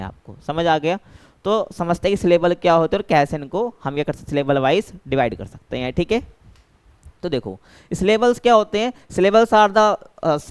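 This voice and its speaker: A man's voice: on the high side, clean tone, no echo. A man teaching exam material in a casual lecture, often asking a question and answering it himself, and checking in with his students. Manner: repeats questions back to himself and answers them. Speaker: online exam tutor. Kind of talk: casual Hindi-English lecture.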